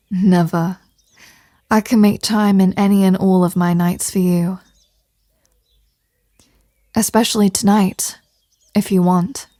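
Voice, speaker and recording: A woman's voice: mid-range voice, warm tone, dry recording, natural voice. Woman playing a flirty mafia boss, close and dry. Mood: flirtatious, assured.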